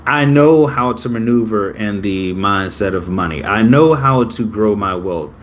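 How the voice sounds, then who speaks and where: A male vlogger in his late twenties talks casually to camera, rambling and often correcting himself while sounding upbeat about himself. His voice is fairly low with lively intonation, and he speaks a little slowly.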